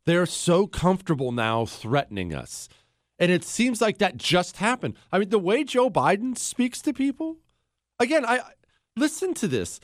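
A man hosting a talk radio show, speaking in an animated, sarcastic monologue with wide swings in pitch and a slightly congested voice. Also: moderate pace, no echo, clean studio sound. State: congested from allergies.

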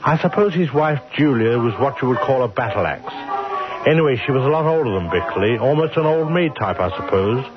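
A man's voice: mid-range voice, lively intonation, a little fast, over music. A man narrating an old-time radio suspense story in a wry, conversational storytelling manner. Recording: muffled, hissy old radio recording.

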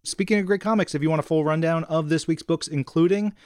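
A man's voice: fairly high pitch, fast, darkish tone, clear, resonant tone, no room sound, studio quality. A man co-hosting an entertainment podcast, chatting in an upbeat, playful way with emphatic hype. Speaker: podcast co-host. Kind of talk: upbeat co-hosted podcast chat about comics and entertainment.

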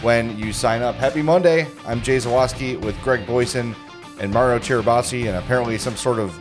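A man's voice: mid-range voice, a little fast, music in the background. A man in his forties hosting a casual sports podcast, jokey and self-deprecating, laughing often. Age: 40s. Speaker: podcast host.

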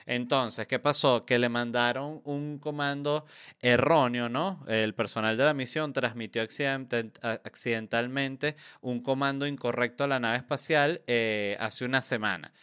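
A man hosts a casual podcast chat, joking and rambling with plenty of fillers. His voice is bright and smooth, sitting at a middle pitch. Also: fairly even intonation, measured pace. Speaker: podcast host.

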